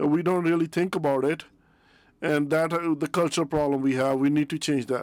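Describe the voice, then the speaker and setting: A man talks at a moderate pace with monotone, flat intonation. The recording is very clean, with a silent background. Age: 60s. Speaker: health forum speaker. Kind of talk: health presentation. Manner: halting.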